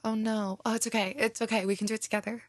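A woman playing an affectionate, giddy girlfriend in an intimate audio roleplay, speaking softly and tenderly. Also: a little high, flat delivery, quick pace, no room sound, clean studio sound, close to an everyday voice. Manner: soft, tender, breathy, giggly. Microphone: close microphone, dry room.

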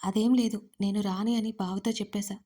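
A woman's voice: mid-range voice, steady tone, dark tone, natural voice. A bubbly young newlywed, as a woman narrator reads her. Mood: lively. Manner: bubbly and quick to protest.

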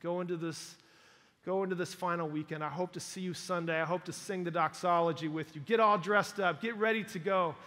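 A man's voice: sits high, steady tone, a little fast, pushed and bright. A middle-aged man, a college chaplain, preaching a sermon on a chapel stage, earnest and repeating phrases for emphasis as he builds to exhortation. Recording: long chapel reverb.

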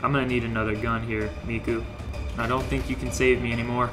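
A young man hosting a casual gameplay livestream, joking and greeting viewers while he plays, his voice a little hoarse. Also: medium pitch, level tone, fast talker, over music. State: slightly hoarse, losing his voice. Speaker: livestream game host.

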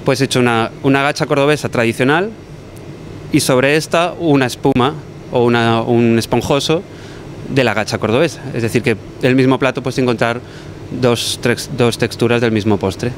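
Young male chef, chatty and quick, kitchen interview on a handheld mic, faint noise behind. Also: mid-range voice. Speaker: guest chef. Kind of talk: casual interview. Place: restaurant kitchen, indoors. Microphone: handheld reporter mic.

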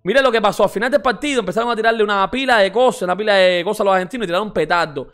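A man's voice: high voice, racing, a bit bright, soft background music. A man reacting to football clips, heated and mocking, often repeating himself to drive a point home. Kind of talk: excited reaction commentary.

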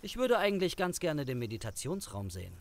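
A man's voice: a little high, sing-song, a little fast. A man playing a brash, insinuating investigator in an audio drama, suggestive and smug. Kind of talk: German audio drama acting.

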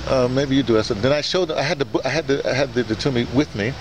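Male interviewer, mid-pitched, conversational and halting with repeated phrases, outside amid clear background noise. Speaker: interviewer, audio dramatist. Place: outdoors in a courtyard beside a building. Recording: noisy outdoor recording, urban traffic ambience.

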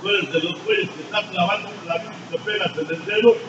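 A high-voiced older man with a Mexican accent speaks bluntly and profanely to a recovery group, swinging between low murmurs and shouts. He is heard from a distance in a roomy, echoing space. The recording is dull and noisy. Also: quick pace. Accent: Mexican Spanish. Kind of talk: blunt, profane confessional testimony. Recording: distant, echoey, dull-sounding room recording with noise.

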